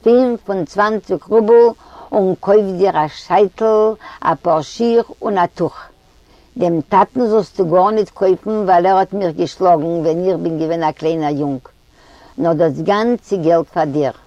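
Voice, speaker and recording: A woman voicing a brash, hot-tempered young male thief, blustering and dictating slowly and loudly in an audiobook reading. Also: low voice, no room sound. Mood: boastful. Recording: dull lo-fi audio.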